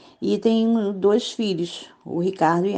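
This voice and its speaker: Ordinary pitch variation marks a woman's voice with a dark, mellow tone. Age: 60s. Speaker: retired artisan, benefit recipient. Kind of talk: interview testimony.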